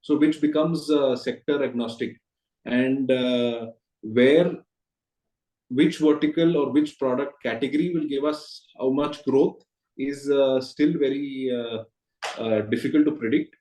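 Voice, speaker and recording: Male executive, Indian accent, relaxed dark tone, measured explanatory delivery with pauses, roomy conference call audio. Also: medium pitch. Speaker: company executive. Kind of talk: earnings call answers.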